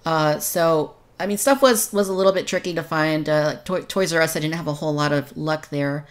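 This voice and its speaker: A woman's voice: low-pitched, brisk. A woman from Texas hosting a podcast in a conversational discussion style. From Texas, United States. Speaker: podcast host.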